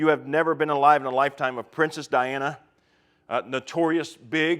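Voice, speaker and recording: A man with an American accent talks at a fairly quick pace, his pitch fairly high and his intonation flat and monotone. The recording is very clean, with a silent background. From Washington DC area, Southern parents. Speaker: pastor. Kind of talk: sermon. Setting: university chapel with audience. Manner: halting, many repetitions and fillers.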